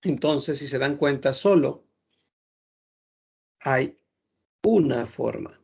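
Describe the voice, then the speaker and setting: A man teaching a French lesson, explaining patiently and repeating words slowly to model pronunciation. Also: mid-range voice, expressive, gravelly, darkish tone, slightly rough.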